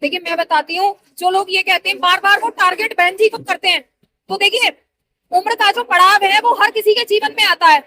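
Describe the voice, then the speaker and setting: A woman's voice: very high voice, fairly even intonation, fairly quick, sharp tone, slight background noise. A woman in her thirties, a party worker answering interview questions in an earnest, persuasive way. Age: 30s.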